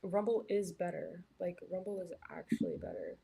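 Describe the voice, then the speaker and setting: Young canadian woman streaming from a hotel room, low gravelly husky voice, chatty, lots of likes and ums. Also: sing-song, normal speed, warm tone. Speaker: live stream host. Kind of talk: casual chat reading live chat.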